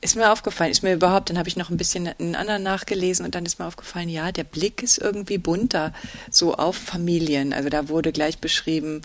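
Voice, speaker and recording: A podcast co-host from Germany's Ruhr area, chatting casually, agreeable and full of fillers and quick affirmations. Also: medium pitch, steady tone, no echo.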